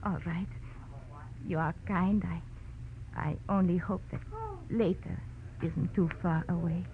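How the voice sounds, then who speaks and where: An actress playing a refined, pleading French client in a 1940s radio detective drama, polite and dramatic. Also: female voice, fairly low pitch, fairly even intonation, a little slow. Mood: soft, grateful. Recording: dull old radio recording with faint noise.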